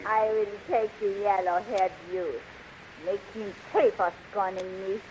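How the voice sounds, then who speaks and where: An actress playing a haughty, vengeful young princess with an imperious, theatrical manner in a 1930s radio serial, on a muffled, hissy recording. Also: female voice, medium pitch, steady tone, measured pace, darkish tone, lightly acted. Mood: cold, vengeful.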